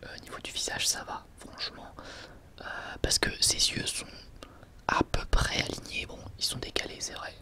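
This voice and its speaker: A man whispers an ASMR product review in a breathy, unvoiced voice, halting and wryly sarcastic, close to the microphone. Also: pushed and bright. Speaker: ASMR video host.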